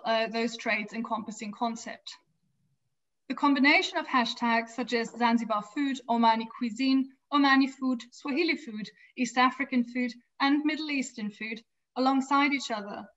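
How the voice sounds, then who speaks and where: A woman giving an academic lecture from a home office over a video call, reading prepared text in a measured way with small restarts. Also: on the high side, a bit bright. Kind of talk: academic lecture read from slides. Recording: slightly dull lo-fi video call audio.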